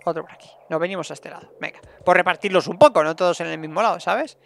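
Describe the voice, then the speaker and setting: A man's voice: high voice, fast, vocal fry, a bit bright. A man giving casual let's play commentary, chatty and talking to his game characters. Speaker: gameplay streamer.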